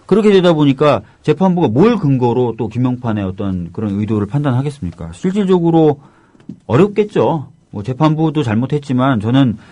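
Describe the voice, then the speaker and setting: A man commentating on a talk show, laying out facts point by point in a measured way. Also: medium pitch, big pitch swings, warm tone, no echo. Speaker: panel commentator.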